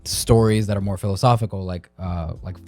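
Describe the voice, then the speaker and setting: A man's voice: sits low, steady tone, a little fast, warm tone, soft background music. A man hosting a casual podcast, talkative and easygoing with enthusiasm for his subject. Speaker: podcast host.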